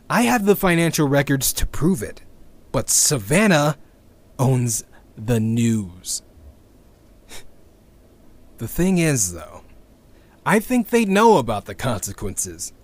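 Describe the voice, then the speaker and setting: An actor playing a disillusioned, sweary activist in a sci-fi audio drama, sardonic and halting as he records a confession. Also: medium pitch, very animated. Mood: angry. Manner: sardonic, halting, with sighs and wry laughs. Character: bitter, disillusioned male activist, weary and sweary.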